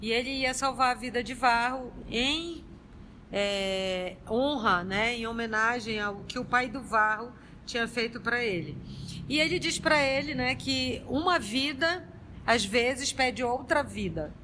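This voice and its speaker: A woman recapping a story from memory, slow and halting. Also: fairly high pitch, bright, forceful tone, a little hiss or hum. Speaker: study group member giving a recap.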